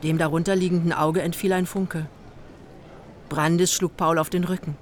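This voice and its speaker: A woman's voice: lowish voice, level tone, normal speed, a little hiss or hum. An older woman narrating a radio play in clipped, terse literary prose.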